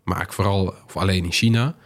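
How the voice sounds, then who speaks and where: Low-pitched man, podcast host. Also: steady tone, very fast. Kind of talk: casual tech podcast chat.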